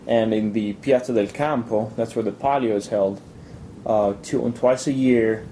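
A young man from Italy chatting casually in an interview, relaxed and halting, with lots of fillers and restarts. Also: on the low side, slight background noise. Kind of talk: casual chat.

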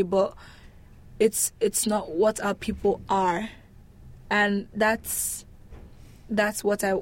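A woman from Nigeria speaks candidly and informally as an interview guest, animated and given to emphatic repetition. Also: medium pitch. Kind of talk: casual conversational interview.

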